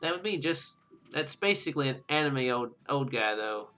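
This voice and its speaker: Bright-voiced man reading a game aloud. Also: mid-range voice, lively intonation, normal speed, faint music behind. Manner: stumbles over read lines and corrects himself. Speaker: gaming video host. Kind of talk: reading a visual novel aloud with casual joking commentary.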